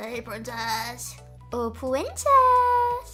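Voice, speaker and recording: Over clear music in the background, a woman performs a put-on character voice. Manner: mocking, teasing.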